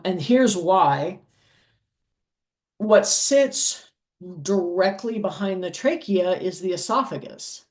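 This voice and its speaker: A woman with a deep voice for a woman, teaching anatomy in a patient lecture style, checking in with "okay?" and filling pauses with "um". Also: a little mellow. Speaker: anatomy instructor. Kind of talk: slow explanatory lecture over diagrams.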